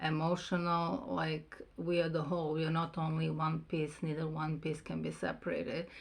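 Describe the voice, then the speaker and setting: A woman with a Serbian accent and a very deep, low pitch talks at a moderate pace with ordinary pitch variation and hardly any pauses. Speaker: spiritual channel host. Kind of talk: casual channel announcement. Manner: halting.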